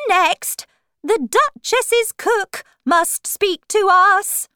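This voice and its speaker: A woman voicing an excitable, hurried white rabbit who proclaims loudly as a court herald in a storybook. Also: very high voice, no room sound, clean studio sound, pitched above the performer's own voice, heavily acted. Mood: proclaiming. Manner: urgent, loud proclaiming.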